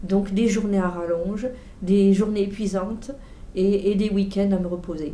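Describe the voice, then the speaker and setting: A woman with a medium-pitched voice speaks amid audible room echo. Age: 60s. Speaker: retiree, union member. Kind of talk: testimony. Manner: halting.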